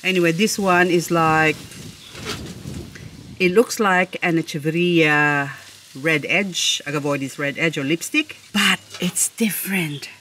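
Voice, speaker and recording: Woman, vlogger, slightly low voice, unhurried, gushing, playful chat. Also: fairly bright tone, a little hiss or hum. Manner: gushing, admiring, chatty; playful, jokes with herself. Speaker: succulent-growing vlogger. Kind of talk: casual show-and-tell chat.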